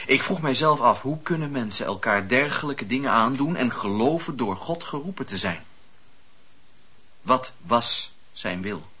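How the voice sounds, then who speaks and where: An actor playing a fervent, earnest wandering preacher of the seventeenth century, declamatory, in a radio drama. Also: male voice, on the low side, pushed and bright, slightly rough, exaggerated voice. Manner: declamatory, impassioned storytelling with dramatic pauses. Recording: dull, lo-fi radio play recording.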